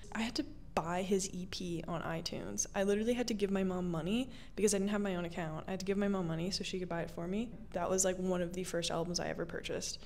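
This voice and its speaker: Soft-spoken and at medium pitch, a woman talks at a very fast pace with fairly even intonation amid audible room echo. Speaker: crochet YouTuber. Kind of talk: casual vlog chat. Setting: empty art studio. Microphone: echoey room.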